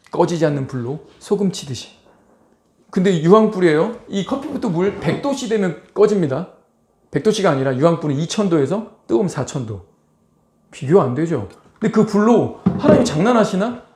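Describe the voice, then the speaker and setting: Animated Korean pastor preaching in an echoey hall. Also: male voice, normal speed. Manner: animated, acts out scenes in high put-on voices. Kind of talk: sermon.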